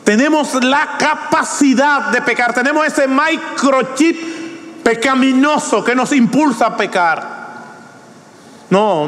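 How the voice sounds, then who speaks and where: Impassioned high-voiced male preacher. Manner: impassioned preaching that swells into shouted pleas. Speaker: pastor. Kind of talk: sermon. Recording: long reverb of a large hall.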